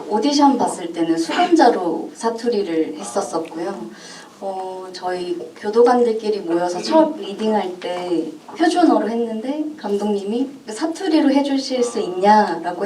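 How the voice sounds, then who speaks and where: A woman actress with a mellow, warm tone recounts her experience in an easy, friendly way. The sound is roomy and distant, like a cinema hall picked up from afar, with a faint hum. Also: medium pitch. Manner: friendly, easy storytelling with light laughs. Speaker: supporting actress at a film Q&A. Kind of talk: casual anecdote at a screening talk. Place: cinema auditorium.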